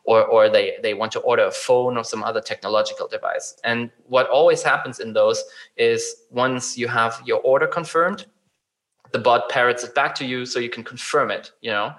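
In a casual conversation about chatbot design, a man with a mid-range, slightly bright voice talks at a moderate pace. He explains his ideas through examples, but hesitantly, with frequent fillers and restarts.

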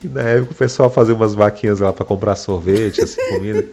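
A man telling a funny personal story in a casual chat, animated and laughing often as he acts out the dialogue. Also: on the low side, fast talker, a little hiss or hum.

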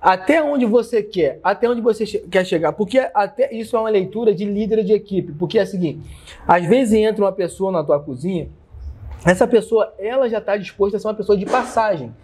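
A man with a fairly high, mellow, husky voice in a casual podcast chat. He grew up in Rio after being born in Bahia, and he hammers home his points by repeating himself. His tone stays loose and conversational. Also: a little fast. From born in Bahia, raised in Rio de Janeiro. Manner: emphatic, explains with repeated phrases. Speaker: chef and podcast co-host.

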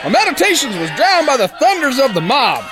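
A man's voice: extremely high pitch, huge pitch swings, fairly quick, crowd noise, exaggerated voice. An actor playing a brash, good-hearted young sailor boxer who spins his yarn in folksy tough-guy slang for a radio comedy. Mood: boastful yarning. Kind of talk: old-time radio comedy, first-person yarn spinning.

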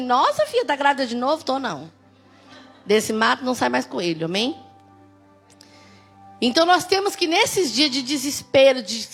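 A woman's voice: on the high side, breathy edge. A woman pastor with a Brazilian Portuguese accent, preaching a conversational sermon with emphatic, rising exclamations.

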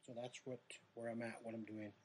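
Slight background noise accompanies a middle-aged man speaking briskly in a mid-range voice with a level tone. He's a comedian and livestream host from Red Lake reservation in the United States, with a Native American reservation accent. His casual chat meanders, mocks himself and trails off.

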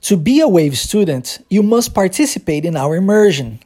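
An English teacher from Brazil with a Brazilian Portuguese accent gives a podcast lesson. The teacher explains patiently, then says short phrases slowly and repeats them for drilling. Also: mid-range voice, big pitch swings, mellow, breathy edge.

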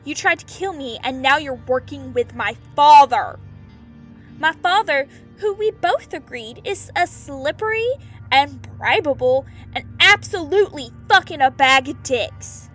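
A woman's voice: sits high, animated, unhurried, a bit bright, faint music behind. A woman playing a defiant, wounded young siren in an audio drama, blunt and emotional. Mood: angry, hurt.

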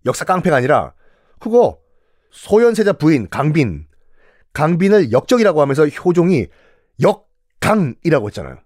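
A man's voice: fairly high pitch, normal speed, long pauses, no room sound, clean studio sound. A man telling history in a casual, playful podcast lesson, acting out quotes as he goes. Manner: playful, animated, acts out quotes.

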